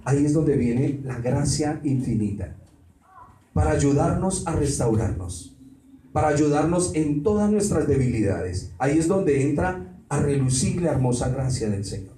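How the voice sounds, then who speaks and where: Pastor preaching in an echoey hall. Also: male voice, on the high side, expressive, measured pace, dark tone. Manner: preaching with rhetorical questions to the congregation. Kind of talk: sermon. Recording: roomy hall, mic at a distance, faint noise.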